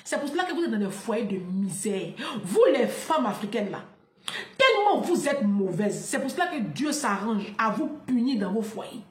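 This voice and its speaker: A woman's voice: fairly high pitch, very animated, moderate pace, echoey room. A woman, delivering a fiery, scolding monologue to camera. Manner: fiery, scolding, repeats "là" and "hein". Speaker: online commentator.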